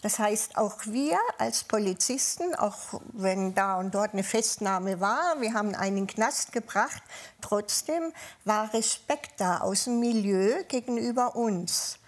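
A woman with a southern German accent, a former police officer, recalling her years on duty in a measured way with frequent hesitations. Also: medium pitch. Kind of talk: panel talk, personal recollection.

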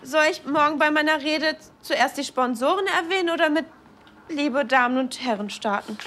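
A woman's voice: high voice, normal speed, a bit bright, a little hiss or hum. A young woman acting as a nervous, earnest character in a naturalistic TV drama, speaking in a fretful, conversational way.

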